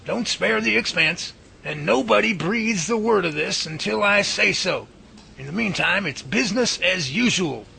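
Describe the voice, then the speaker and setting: Man acting a bright, gravelly folksy professor. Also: sits high, animated, normal speed, slight background noise, exaggerated voice. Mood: brisk, commanding. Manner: folksy, explanatory, take-charge. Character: folksy, confident professor leading Bigfoot research, good-humored. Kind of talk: radio drama acting.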